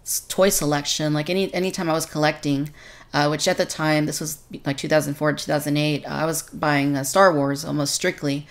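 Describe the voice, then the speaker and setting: A woman's voice: sits low, flat delivery, brisk. A woman from Texas hosting a podcast in a conversational discussion style. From Texas, United States. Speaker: podcast host.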